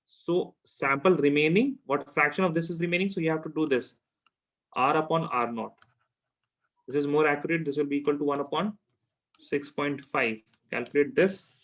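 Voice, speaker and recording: Casting: male chemistry teacher, South Asian accent, slightly raised pitch, informal one-to-one tutoring, repeats himself and checks in often. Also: normal speed, a bit bright. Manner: repeats phrases, checks understanding with questions.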